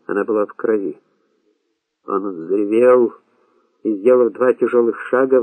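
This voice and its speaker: A man's voice: medium pitch, dry recording. Male audiobook narrator, phone-like sound. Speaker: audiobook reader.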